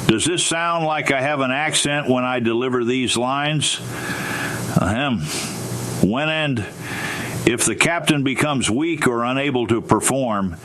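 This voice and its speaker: Slow, deadpan male caller. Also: mid-range voice, a little hiss or hum. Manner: slow deadpan mock-earnest delivery. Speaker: call-in prankster.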